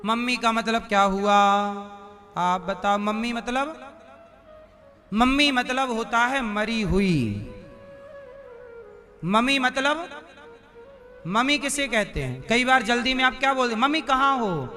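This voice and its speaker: Male preacher, high voice, slow deliberate delivery, devotional sermon, call-and-response, chants and sings, instruments behind. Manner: lively storytelling, bursts into chant and song. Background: devotional instrumental music.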